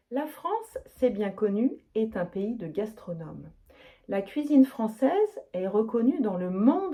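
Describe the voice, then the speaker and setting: Woman language teacher, deliberate and clear delivery, mellow tone, animated melody. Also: fairly high pitch. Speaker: French teacher. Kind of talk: teaching, reading practice answers.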